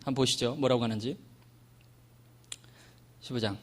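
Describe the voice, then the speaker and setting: A male missionary preacher delivering a dramatic sermon, calling on the congregation to answer back and shouting out quoted voices. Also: mid-range voice, moderate pace. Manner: animated, dramatic, asks the congregation to respond.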